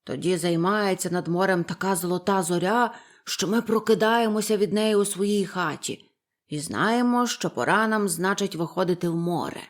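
A woman voicing two kindly fishermen in a storybook, speaking lower and slower than her own voice. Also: natural voice. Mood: confiding. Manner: low, slow, homely telling. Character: two grateful old fishermen, plain and kindly.

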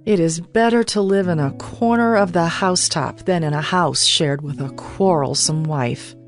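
A woman's voice: on the low side, normal speed. A woman reading scripture aloud as the narrator of a dramatized audio Bible. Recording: soft guitar bed under the voice. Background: plucked guitar music.

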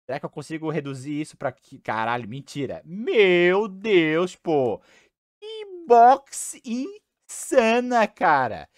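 A young man from Brazil hosting a card-opening video at home, talking casually through a headset while his voice is going hoarse. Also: high-pitched, slow pace, no echo, studio quality. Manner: chatty, excitable, repeats himself. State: losing his voice. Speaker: card-opening channel host. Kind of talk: casual unboxing chat. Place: small room at home, indoors.

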